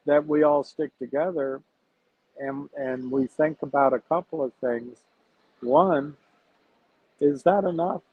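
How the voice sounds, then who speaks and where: Thinking aloud in a measured, reflective way, a man hosts a casual investing livestream for his viewers. His mid-range voice is slightly rough, and the sound is tinny, like a phone.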